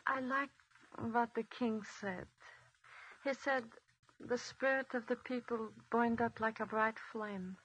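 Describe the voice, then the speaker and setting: A husky, fretful mother. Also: on the high side, fairly even intonation, slow, fairly bright tone, exaggerated voice, low-quality recording. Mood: doubtful. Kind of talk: 1940s radio drama.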